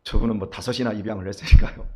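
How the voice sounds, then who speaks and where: A man's voice: fairly low pitch, very fast. A middle-aged man preaching a dawn sermon, telling stories and acting out the voices of the people in them. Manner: storytelling, animated, acts out quoted voices. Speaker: pastor.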